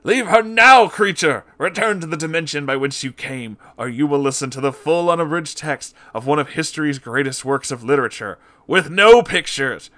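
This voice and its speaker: A man's voice: expressive, moderate pace, few pauses. A man voicing a stern male exorcist who declaims solemn commands in a comic horror story. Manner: declamatory, forceful, booming commands.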